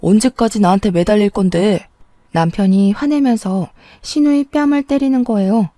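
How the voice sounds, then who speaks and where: A young adult woman narrating a first-person story in a plain, even manner. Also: mid-range voice, no echo.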